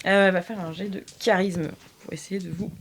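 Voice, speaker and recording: A woman's voice: fairly low pitch, fairly even intonation, a little fast. A woman narrates an improvised tabletop story as game master. She is casual and jokey, hesitating and stretching words while she builds each scene.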